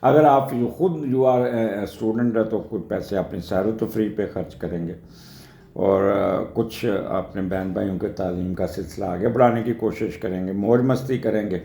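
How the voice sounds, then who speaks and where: Older gravelly man, Lahore Urdu accent. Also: lowish voice, a little slow, warm tone, roomy sound. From Pakistan. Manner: chatty, rambling, drifts into anecdotes and jokes; mixes in English phrases. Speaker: astrologer. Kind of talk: weekly horoscope talk.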